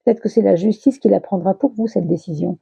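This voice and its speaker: A tarot reader with a fast, medium-pitched voice that's gravelly, husky and mellow gives a casual monthly reading, hesitating with lots of fillers and restarts. She's losing her voice, which grows worn and throaty, and she clears her throat; the recording has no room sound.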